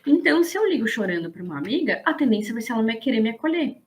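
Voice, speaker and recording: A woman's voice: a little high, very fast. Chatty woman teaching. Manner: chatty, animated, checks in with listeners. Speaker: business management instructor. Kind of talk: casual explanatory lesson.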